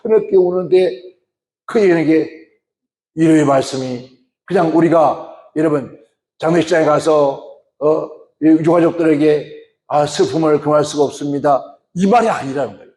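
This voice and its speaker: A man's voice: on the high side, moderate pace, dark tone. A male pastor preaching a sermon, often questioning the congregation. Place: church. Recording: echoey church hall.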